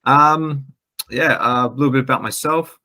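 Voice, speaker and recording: A man's voice: mid-range voice, normal speed, sharp tone. A man with an Australian accent, chatting casually on a panel, friendly and hesitant with many fillers. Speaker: guest panelist. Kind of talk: casual chat.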